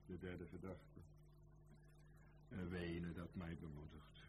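A low-voiced man delivers an impassioned sermon, dropping to a hush and then rising to loud outcries, dwelling on repeated phrases. The recording carries a clear layer of hiss and room noise. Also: flat delivery, takes it slowly. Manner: fervent, swinging from hushed to crying out. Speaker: preacher.

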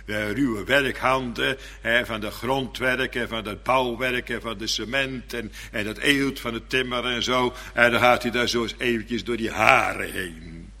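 Slow earnest preacher guy, bright gravelly voice, big church echo. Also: mid-range voice. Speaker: minister. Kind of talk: Reformed sermon. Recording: long church reverb.

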